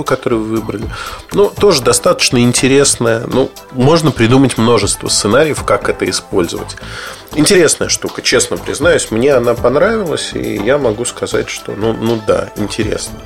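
A man hosting a tech podcast, giving a casual, rambling gadget review full of hesitations and asides. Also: medium pitch.

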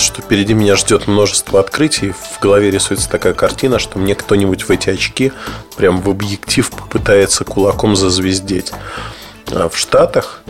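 A man hosting a tech podcast, giving a casual, rambling gadget review full of hesitations and asides. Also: lowish voice.

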